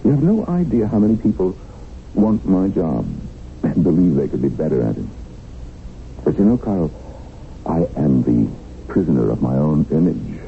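An actor playing a middle-aged kidnapped tycoon in a radio drama, worldly and defiant, with a sardonic, reflective manner. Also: male voice, sits low, sing-song, moderate pace, gravelly, pauses often, heavily acted. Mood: resigned, candid. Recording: narrow-band, noisy old radio broadcast.

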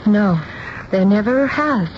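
An actress playing a middle-aged mother who narrates a radio drama, gentle and anxious, measured but hesitant when upset. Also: mid-range voice, animated, slight background noise. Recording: dull old radio broadcast with music.

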